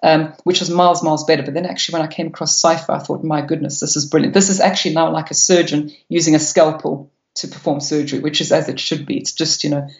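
Hesitant woman guest, gravelly and flat. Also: deep voice, fast talker, hardly any pauses. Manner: hesitant, many fillers, enthusiastic. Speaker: podcast guest. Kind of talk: technical interview answers. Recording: echoey room, dull lo-fi sound.

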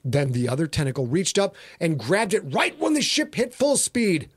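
A man's voice: high-pitched, wildly swooping pitch, moderate pace, husky, no echo. A middle-aged American man giving a theatrical, mock-serious dramatic reading of a story as its narrator. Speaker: author and narrator.

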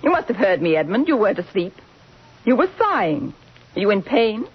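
Husky, imperious radio-drama wife. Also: female voice, medium pitch, sing-song, a little fast. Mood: disapproving. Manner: clipped, commanding, reproachful. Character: cold, imperious, suspicious wife, sharp-tongued and controlling. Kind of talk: old-time radio drama acting. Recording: muffled vintage radio recording.

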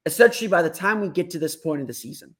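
A hoarse, raspy man with a fairly high voice hosts a casual sports talk show. He is under the weather and rambles, repeating words and restarting his sentences as he goes. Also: expressive, very fast, fairly bright tone. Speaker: sports podcast host.

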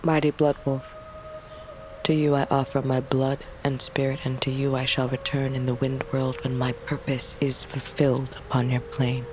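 A woman's voice: rumbling low, level tone, normal speed. An actress playing a stubborn, hot-tempered young woman who works as a tribal butcher, speaking earnestly and solemnly in prayer. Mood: prayerful. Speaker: Azera, queen's daughter. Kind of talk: audio drama acting. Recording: noisy ambience bed.

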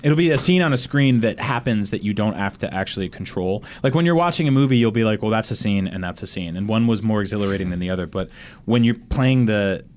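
A man's voice: lowish voice, expressive, fast, a little mellow. A man talking casually as one of a podcast panel. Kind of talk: casual chat.

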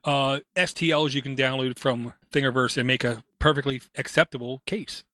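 A man's voice: mid-range voice, steady tone, normal speed, fairly bright tone, dry recording, studio quality. Enthusiastic man in casual tech chat. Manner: enthusiastic, uses homespun comparisons.

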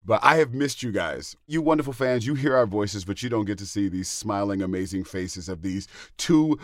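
A man co-hosting a podcast in casual chat, animated and quick to laugh loudly. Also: lowish voice, dry recording, clean studio sound. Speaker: podcast co-host.

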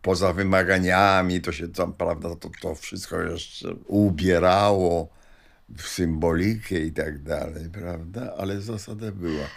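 An older man with a low, gravelly voice explains things from memory. His talk is informal and unscripted. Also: fairly even intonation, measured pace. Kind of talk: explanatory reminiscence.

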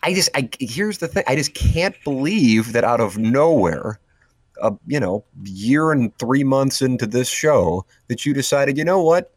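A man's voice: medium pitch, lively intonation, measured pace, dry recording. A man hosting a casual sports radio show, teasing his partner dryly and reading out listener texts. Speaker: sports talk radio host. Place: radio studio. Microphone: close studio microphone.

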